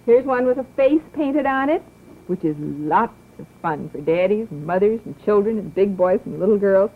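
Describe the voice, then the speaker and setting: A woman's voice: medium pitch, expressive, slight background noise. Woman hosting children's TV, tinny old broadcast. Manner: slow, coaxing, sing-song teacherly delivery. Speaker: children's TV show host. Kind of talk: speaking gently to children, then to parents.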